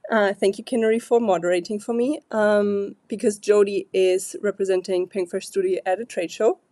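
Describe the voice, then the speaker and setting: A woman with a stuffy, congested voice hosts a live card-making stream in a chatty, loosely paced way, clearing her throat now and then. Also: mid-range voice, fairly even intonation, moderate pace, warm tone, no room sound. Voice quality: frequent throat clearing and fillers. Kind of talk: casual live-stream chat.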